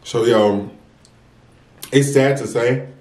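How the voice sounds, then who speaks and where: A man's voice: mid-range voice, a little mellow. Young American man, casual and roomy-sounding. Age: young adult. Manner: earnest, unhurried, talks between bites. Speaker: mukbang vlogger. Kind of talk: casual confessional chat to viewers while eating.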